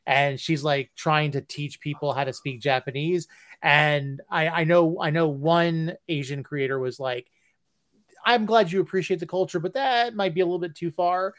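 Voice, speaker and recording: A man co-hosting a podcast in casual chat, speaking haltingly with many restarts and fillers. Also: on the high side, steady tone, a bit bright, no echo. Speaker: podcast co-host.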